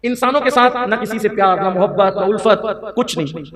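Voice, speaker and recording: A man preaching a sermon in a mosque, impassioned and rhetorical, repeating phrases for emphasis. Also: high-pitched. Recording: echoey hall, distant mic, crowd noise.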